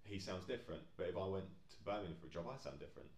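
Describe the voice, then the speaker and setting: Podcast co-host, man, very low voice, rapid talker, blunt and sweary. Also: animated, a little mellow. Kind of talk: casual banter. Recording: roomy echo.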